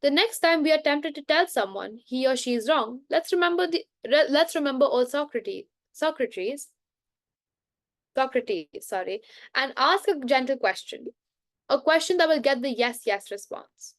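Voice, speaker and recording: A woman's voice: sits high, lively intonation, no room sound, clean studio sound. A woman reading a book aloud at bedtime, often restarting and correcting words, with an occasional cough. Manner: halting reading with frequent restarts and self-corrections. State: coughing now and then. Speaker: book reader.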